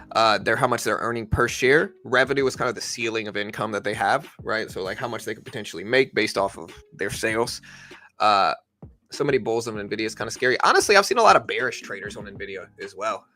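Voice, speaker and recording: A man's voice: fairly low pitch, expressive, fairly quick, bright, forceful tone, faint music behind. A man hosting a livestream, casually commenting on the stock market and explaining things conversationally as he answers viewers. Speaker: livestream host.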